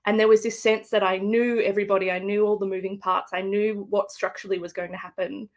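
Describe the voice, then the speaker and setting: A woman's voice: mid-range voice, level tone, fast talker. Australian woman musing in a book interview. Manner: thoughtful, meandering with fillers and restarts. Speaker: guest author. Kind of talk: live video-call book interview. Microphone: video call.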